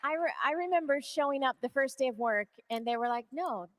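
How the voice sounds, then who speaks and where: A woman with a high voice tells a lively, self-deprecating story on a live convention panel. She rolls from one beat to the next with easy animation. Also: brisk, noisy background. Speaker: voice actor panelist.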